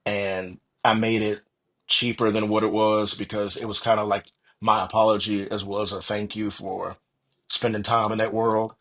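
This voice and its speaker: A man's voice: on the low side, flat delivery, moderate pace, a bit bright. A man speaking as an author guest in a casual interview, telling stories earnestly and self-deprecatingly and voicing his own thoughts. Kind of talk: casual, animated interview chat.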